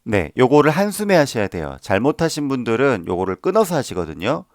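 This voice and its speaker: A man's voice: mid-range voice, huge pitch swings, a little fast, no room sound, studio quality. A man teaching a voice lesson, patiently explaining each step and demonstrating the sounds himself. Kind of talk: instructional voice lesson.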